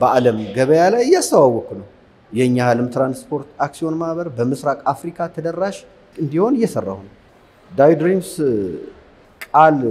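Pitched fairly high, a man's voice swings very widely in pitch. His loudness also shifts a great deal. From Ethiopia, Welkite; Ethiopia. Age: 50s. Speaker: transport business owner; interviewee. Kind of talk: testimony. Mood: proud, upbeat. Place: cafe. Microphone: lapel.

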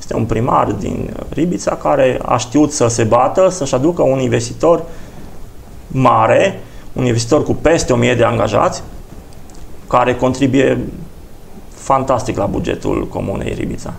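Long, frequent pauses break up a man's speech. His pitch is medium with ordinary variation. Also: moderate pace. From Romania, Brad (Hunedoara county); Hunedoara, Romania. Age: 40s. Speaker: local politician. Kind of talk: TV interview. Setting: studio. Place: studio. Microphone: lapel.

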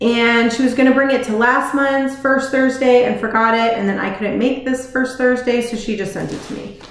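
A woman is speaking. There is audible room echo. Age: 40s. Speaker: cross stitch YouTuber. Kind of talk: casual vlog monologue. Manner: chatty, rambling with laughs. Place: home room. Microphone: webcam.

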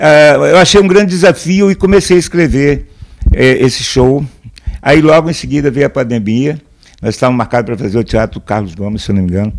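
Over a quiet background, a man talks at a fairly quick pace and a fairly high pitch, with very wide pitch swings. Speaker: singer-songwriter; interview guest. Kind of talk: interview. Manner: jovial. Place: home room. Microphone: handheld.

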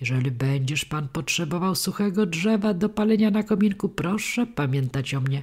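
At a moderate pace with a dramatic tone, the speech runs on with hardly any pauses. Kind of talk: literary audiobook reading, scripted narration of a children's classic. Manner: expressive with dramatic pauses and emphasis, addressing listeners directly.

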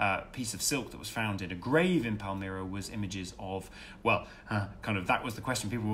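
Light background noise behind a man's fairly quick delivery. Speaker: academic hosting live Q&A. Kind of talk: casual live-stream chat. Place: home room. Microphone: phone near.

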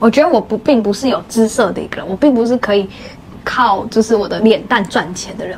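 Over light background noise, a woman with a fairly high voice speaks at a fairly quick pace with ordinary pitch variation. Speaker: beauty salon worker. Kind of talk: casual chat. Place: home room. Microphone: lapel.

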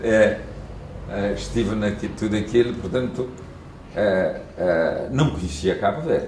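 Over light background noise and audible room echo, a man with a fairly low pitch speaks at a fairly slow pace with lively intonation. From Cape Verde. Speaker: former independence fighter and head of state. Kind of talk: oral history interview answer. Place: office.

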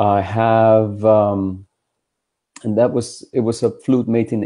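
With an Icelandic accent, a man speaks at a very slow pace in a dark, mellow tone, his intonation fairly even and the background quiet. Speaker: orchestral flautist; interviewee. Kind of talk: interview. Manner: halting. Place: home room. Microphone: earbuds.

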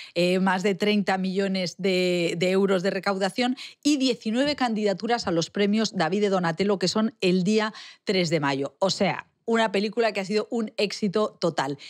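A woman at a moderate pace with ordinary pitch variation, against a quiet background. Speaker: interview show host. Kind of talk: show intro and interview questions. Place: studio. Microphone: studio mic.

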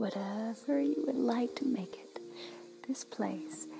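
Over noticeable background noise, a woman whispers, soft-spoken throughout. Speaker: ASMR hypnosis and sleep story narrator. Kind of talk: sleep story hypnosis reading. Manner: whispered, soft-spoken. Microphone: studio mic.

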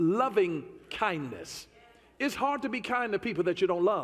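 Lively intonation from a man at a moderate pace. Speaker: preacher. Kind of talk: sermon. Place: church. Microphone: lapel.

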